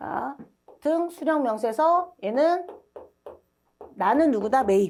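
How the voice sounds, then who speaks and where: A woman's high voice swings very widely in pitch. Long pauses break up her speech often. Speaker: tax accountant teaching exam course. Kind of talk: lecture. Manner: fast, tongue-tripping at times; many fillers and self-corrections.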